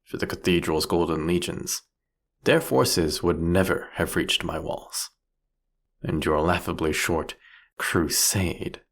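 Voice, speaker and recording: A man playing a captured vampire king in an audio roleplay, sardonic and silkily menacing, with a husky, gravelly voice and theatrical, taunting phrasing. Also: low-pitched, full character voice. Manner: theatrical, mocking, drawn-out, teasing phrasing. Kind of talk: scripted audio roleplay monologue addressed to the listener.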